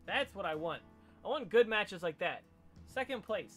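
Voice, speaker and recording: A man's voice: high voice, lively intonation, normal speed, over music. A man from Pennsylvania with an American accent, chatting casually and playfully as he streams a video game. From Pennsylvania, United States. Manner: goofy, playful. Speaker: gaming streamer. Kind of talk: casual joking game chat.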